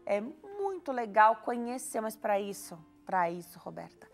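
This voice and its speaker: A woman's voice: fairly high pitch, very animated, measured pace, soft background music. A woman hosting a TV talk show in a studio, giving parenting advice in easy conversation and often tagging her sentences with a question. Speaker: TV health show host.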